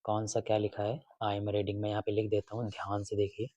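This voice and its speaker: A man with a low, slightly husky voice works through exam questions in a casual lesson. He repeats each item and quizzes his listeners as he goes. The recording is close and dry, with no room echo. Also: completely flat delivery, brisk, mellow. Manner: repeats questions and answers, asks students rhetorically. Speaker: exam prep teacher.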